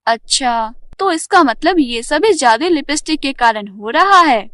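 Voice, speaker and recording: A woman voicing a jealous, greedy young village woman in an animated story, scheming and pleased with herself. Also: high voice, unhurried. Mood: realizing. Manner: scheming, self-satisfied.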